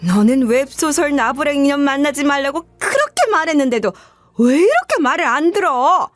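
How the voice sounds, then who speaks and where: A woman's voice: sing-song, normal speed, no echo, faint music behind. A woman voicing a haughty, scornful middle-aged future mother-in-law who belittles and scolds. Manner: sneering, belittling, shrill scolding.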